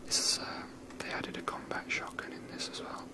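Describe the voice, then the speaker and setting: Whispering ASMR gamer, rambling casually. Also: fairly quick. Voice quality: unvoiced, breathy whisper. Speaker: video creator playing and commenting on a game. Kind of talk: whispered ASMR gameplay commentary.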